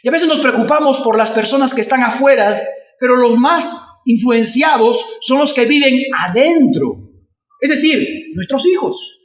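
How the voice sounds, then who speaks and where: A man's voice: very high voice, animated, unhurried. A male pastor with a Venezuelan Spanish accent, preaching a sermon and asking the congregation questions. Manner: acts out shouting voices in anecdotes. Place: church. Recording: echoey church from far off.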